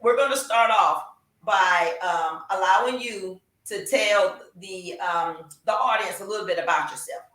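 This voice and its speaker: A middle-aged woman hosts a casual talk show, with a chatty delivery and plenty of fillers and self-corrections. She is set back from the mic in a roomy, echoing space, and her pitch sits in the middle of the range. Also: measured pace, fairly bright tone. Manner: chatty, with frequent fillers and restarts. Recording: roomy echo, distant from mic.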